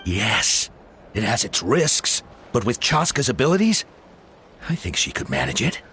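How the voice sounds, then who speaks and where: Earnest, expressive fantasy tribal leader. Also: male voice, fairly low pitch, slight background noise, heavily acted. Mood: pondering. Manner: deliberate, earnest. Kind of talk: video game character dialogue.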